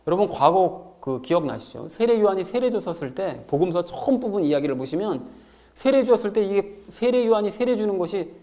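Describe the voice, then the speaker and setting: A man preaching a sermon as pastor, expressive and explanatory, acting out quoted lines as he goes. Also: high-pitched.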